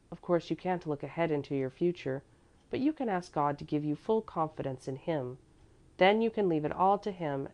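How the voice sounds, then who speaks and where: A woman reading the part of a kind, wise motherly woman who speaks tenderly and calmly to comfort a child. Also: lowish voice. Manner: tender, calm, reassuring.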